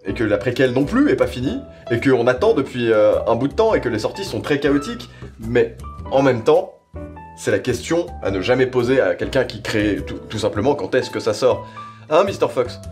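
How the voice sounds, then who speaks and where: A man's voice: mid-range voice, big pitch swings, normal speed, darkish tone, soft background music. A man giving a slangy, casual spoken review, rambling conversationally and repeating himself for emphasis. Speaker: reviewer presenting audio series.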